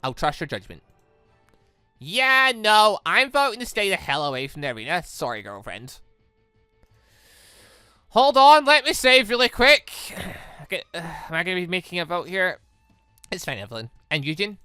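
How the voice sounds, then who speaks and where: Gamer reading visual novel lines n rambling, swoopy pitch, dry close mic, bit of music behind. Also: very animated, normal speed, long pauses, bright, forceful tone, clear, resonant tone, no room sound. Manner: rambling, thinks aloud, often repeats and rephrases. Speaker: let's play host. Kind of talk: casual gaming commentary, reading visual novel dialogue aloud. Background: game music.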